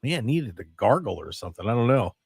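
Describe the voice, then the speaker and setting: A man hosting a radio show in casual, rambling chat, his voice a little raspy and strained. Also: medium pitch, fast, no room sound, studio quality. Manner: chatty, excitable, rambling. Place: radio studio.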